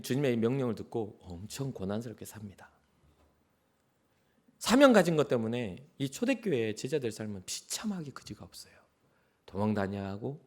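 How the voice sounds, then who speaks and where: A middle-aged pastor gives a lively, conversational sermon. His pitch swings widely as he acts out quotes. At times he drops to near-whispers. He speaks at a mid pitch for a man. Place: church sanctuary.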